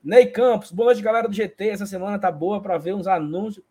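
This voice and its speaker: A husky, high-pitched man hosts a casual live fan show. He reads viewer comments aloud in a playful, chatty way, greeting each one. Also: fairly even intonation, brisk, dark tone. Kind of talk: casual live-stream chat.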